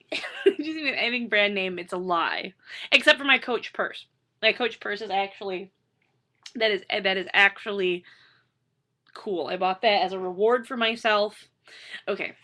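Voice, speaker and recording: Hoarse, chatty woman. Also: mid-range voice, bright, forceful tone. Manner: self-deprecating, chatty, lots of fillers and restarts. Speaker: author reading her book. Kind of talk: casual rambling chat.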